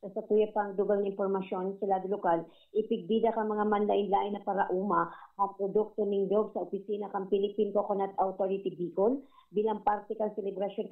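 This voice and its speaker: A woman field reporter calling in to a radio show over a phone line, reading a news report in a formal, steady way. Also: medium pitch. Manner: formal, steady newsreader delivery. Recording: tinny distant phone line.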